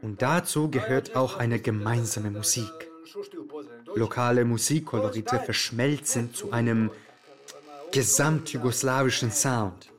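A man's voice: mid-range voice, a little slow, crowd noise, close to an everyday voice. An actor playing a theatrical male radio show presenter who narrates dramatically and addresses listeners directly. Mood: storytelling. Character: Yugo Slaven, flamboyant male Yugoslav radio presenter.

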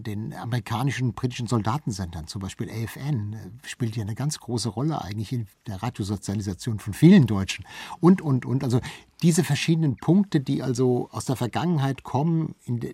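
A man speaking as an interview guest, explaining conversationally in a somewhat halting, enumerating way. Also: medium pitch, mellow, slightly rough, dry recording. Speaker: book editor, interview guest.

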